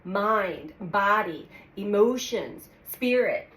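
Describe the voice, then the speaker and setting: A woman giving a weekly tarot reading in a calm, unhurried way, congested from a cold and pausing as she draws cards. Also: medium pitch. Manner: calm, unhurried, speaks with pauses while drawing cards. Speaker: tarot reader. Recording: echoey room with audible background noise.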